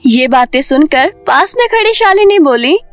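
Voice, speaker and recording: A woman's voice: high-pitched, very animated, normal speed, faint music behind. A woman storyteller reading scripted narration for a children's story.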